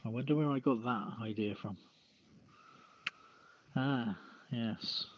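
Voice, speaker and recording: A man hosting a news podcast with a halting, hesitant delivery, reading out items and announcements. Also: medium pitch, a little hiss or hum. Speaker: podcast host. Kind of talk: reading news and show sign-off. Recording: phone-like lo-fi streamed voice channel.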